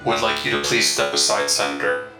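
A man voicing a menacing male combat droid in a clipped, flat robot voice while running a tabletop game. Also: fairly low pitch, fairly quick, over loud music, low-quality recording. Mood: stiff. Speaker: game master.

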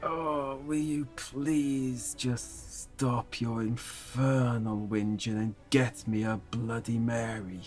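Man in character, haughty, demanding, very slow drawl. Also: mid-range voice, steady tone, darkish tone, faint music behind. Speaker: player. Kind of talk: in-character tabletop role-play.

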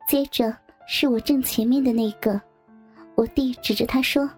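A woman narrating a first-person story softly, with music behind. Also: a little high, fairly even intonation, normal speed, breathy edge.

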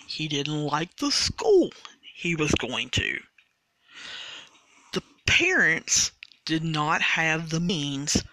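A podcast host, explaining a rule slowly and carefully in a casual monologue. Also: mid-range voice, pushed and bright, no room sound, poor audio. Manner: slow, deliberate, careful explaining with restarts.

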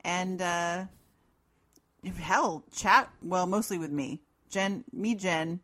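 A middle-aged woman with a deep voice, co-hosting a podcast in casual banter with dry, understated interjections. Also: slow pace, a bit bright. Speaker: podcast co-host.

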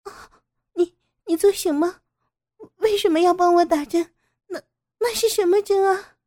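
A woman's voice: very high voice, very slow, fairly bright tone, pitched above the performer's own voice, exaggerated voice. Woman voicing a sobbing, stammering young teacher. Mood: pleading, crying. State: crying. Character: frightened young woman teacher, tearful captive.

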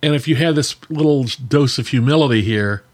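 A man hosting a casual podcast conversation, talking in a lively and animated way. His pitch sits in an ordinary middle range. He often turns his remarks on himself with a laugh. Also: a little fast. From Virginia, US. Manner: animated, self-deprecating, chuckling asides. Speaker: podcast co-host.

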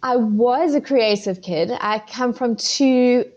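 A woman's voice: a little high, slow pace, darkish tone, muffled recording. A middle-aged woman with a South African accent, a food photographer answering interview questions in a loose, rambling way full of ums and restarts. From Zimbabwe and South Africa. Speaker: podcast guest, food photographer.

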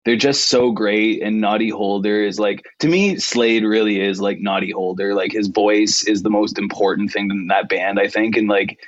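A man with a deep voice, a musician guest chatting easily about songs with many fillers and restarts. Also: steady tone, normal speed, few pauses, no room sound, muffled recording. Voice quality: low, deep voice. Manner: easygoing, hesitant with many fillers. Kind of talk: casual interview chat.

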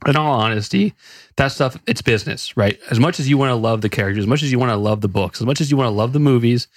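A man's voice: mid-range voice, quick pace, no echo, studio quality. A man co-hosting a casual podcast, blunt and swearing freely. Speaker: podcast co-host. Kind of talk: casual chat.

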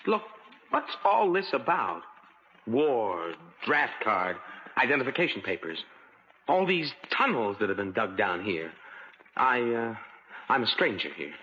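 Flustered young scientist, stammering, bright tense voice, lively pitch, muffled hissy old radio. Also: male voice, a little slow. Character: young male scientist, eager and bewildered. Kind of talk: 1950s radio acting. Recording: dull old radio recording with hiss.

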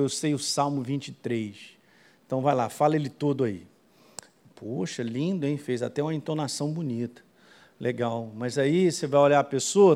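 A male pastor, preaching a sermon in a lively, conversational way full of quick asides. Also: a little high.

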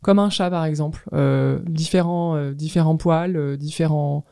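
Hesitant woman in her thirties, mellow low voice. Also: fairly even intonation, normal speed, vocal fry, clear, resonant tone, no echo, studio quality. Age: 30s. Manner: hesitant, searching for words. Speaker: guest artist, ceramicist. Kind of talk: casual interview answers.

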